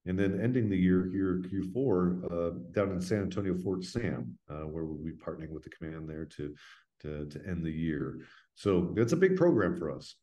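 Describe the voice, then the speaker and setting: A man's voice: deep voice, animated, normal speed, dark tone. A middle-aged American man speaking as an interview guest, earnest and plain-spoken, explaining things conversationally and often checking in with "right?". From United States. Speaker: interview guest, veterans' foundation representative.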